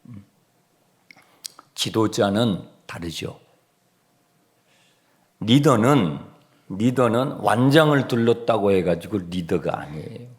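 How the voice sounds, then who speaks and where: Animated gravelly-voiced pastor preaching. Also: male voice, lowish voice. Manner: animated, acts out complaining voices and sings hymn lines; drops to a hushed whisper for emphasis. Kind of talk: expository sermon.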